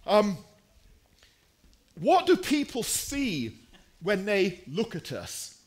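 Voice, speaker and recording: A man preaching a sermon in a deliberate, emphatic way, pausing between phrases and posing rhetorical questions. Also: high voice, huge pitch swings.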